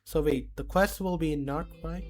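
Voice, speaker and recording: A woman hosting a gameplay video with casual commentary, halting and often repeating her phrases. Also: low voice. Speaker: gaming video host. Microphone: mic propped on stack of books. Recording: loud music behind the voice.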